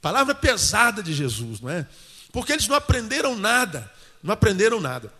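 A man preaches in a lively, colloquial way and keeps turning to the congregation with questions. His voice sits high and rings bright and forceful. Long reverb from the church hall trails behind him. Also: fairly quick. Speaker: pastor. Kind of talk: sermon.

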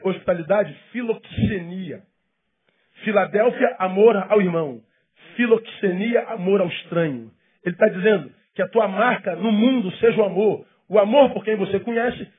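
A Brazilian Portuguese-accented man, a pastor, preaching a sermon with passion, swinging from loud emphasis to hushed tones. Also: high-pitched, moderate pace, husky. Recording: tinny phone-like sound.

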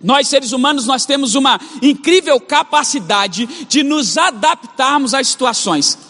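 A man's voice: very high-pitched, lively intonation, a little slow, sharp tone. A young Brazilian man preaching a sermon as pastor, with a fervent, repetitive cadence and a mixed regional Brazilian accent. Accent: Brazilian Portuguese, mixed regional. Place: church auditorium. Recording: long hall reverb.

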